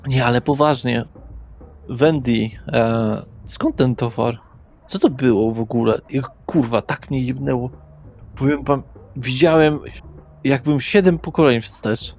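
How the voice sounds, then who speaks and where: Brief: mid-pitched young male hustler played by a game master, brash, slangy, sweary, pushy and eager. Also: a little slow, darkish tone, a little hiss or hum, natural voice. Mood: eager, excited. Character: cocky, foul-mouthed young street slang man, drugged and eager.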